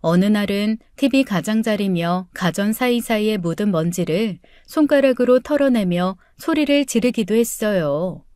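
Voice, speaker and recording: A middle-aged woman reading a first-person life story as an audiobook, in a measured, earnest tone. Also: mid-range voice, animated, warm tone, no echo, clean studio sound. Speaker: story narrator.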